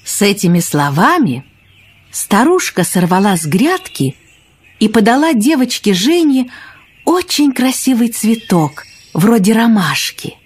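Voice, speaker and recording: A woman narrating a children's fairy tale from a script, expressive and husky. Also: fairly high pitch, measured pace. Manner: expressive storytelling.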